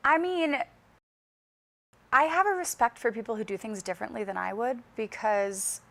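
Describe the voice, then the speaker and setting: A young woman singer being interviewed, speaking slowly and carefully enunciating each word in a relaxed, chatty way. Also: fairly high pitch, vocal fry. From Las Vegas. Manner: slow, carefully enunciated speech. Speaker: singer guest. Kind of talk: casual interview chat.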